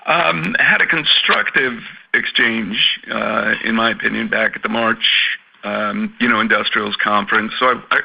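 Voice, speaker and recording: A man's voice: on the low side, creaky. A man asking a question as an analyst on an earnings call, hesitant and stammering into his phrases. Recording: dull conference call line.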